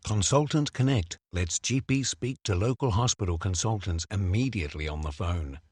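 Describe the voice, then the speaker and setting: A man's voice: deep voice, normal speed, darkish tone, slightly rough, dry recording. A man delivers scripted voice-over narration for commercials and documentaries. His voice has some husk to it, and the recording is dry and close, without room sound. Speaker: voice-over artist.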